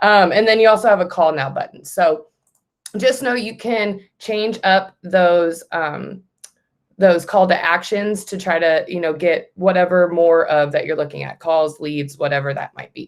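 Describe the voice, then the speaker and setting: Using an ordinary speaking voice, a woman talks at a fairly slow pace with ordinary pitch variation and big swings in loudness. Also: fairly low pitch for a woman. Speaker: real estate team trainer. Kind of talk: tutorial. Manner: casual.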